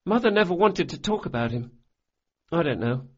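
A man voicing a young orphan boy who talks quickly and earnestly, stumbling over his words. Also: a little high, lively intonation, breathy edge, dull audio, pitched above the performer's own voice.

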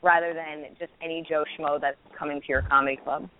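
A woman in her thirties, a stand-up comedian, telling stories candidly with quick restarts in a casual interview. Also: sits low, steady tone. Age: 30s. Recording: tinny phone-like line with faint noise.

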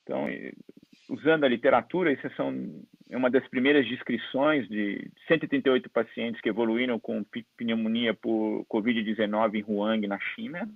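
A man with a Brazilian Portuguese accent lectures conversationally as a guest expert. His mid-pitched voice has plenty of gravelly fry, and the online recording is dry and a little dull, with slightly lo-fi sound. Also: steady tone, moderate pace, no room sound. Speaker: guest medical expert and presenter.

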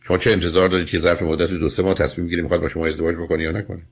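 Deep husky man giving firm advice. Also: level tone. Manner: firm, lecturing, interrupts with questions. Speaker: radio call-in advice host. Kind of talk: call-in advice counseling.

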